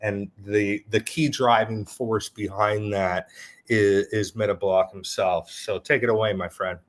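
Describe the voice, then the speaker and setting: A man's voice: fairly low pitch, steady tone, measured pace. A man co-hosting an online audio chat who speaks in a friendly, brief way with some fillers. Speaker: co-host of an online audio space. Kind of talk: casual chat.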